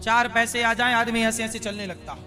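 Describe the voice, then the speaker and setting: A man preaches with a very high voice, weaving folk tales into a devotional talk. He keeps questioning and teasing his listeners. Music plays clearly behind him. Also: flat delivery, moderate pace. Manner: questions and teases the audience. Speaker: katha preacher. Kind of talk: devotional sermon with storytelling.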